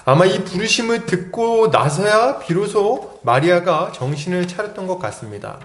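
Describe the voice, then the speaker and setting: A man's voice: high-pitched, expressive, moderate pace, echoey room. A man preaching an expository sermon as pastor. He tells the story, acts out the quoted lines and keeps asking the congregation questions.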